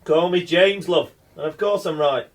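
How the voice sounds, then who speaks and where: A man's voice: fairly high pitch, moderate pace, far from the mic, close to an everyday voice. A man playing a smug, foul-mouthed, sarcastic dead man in a radio play.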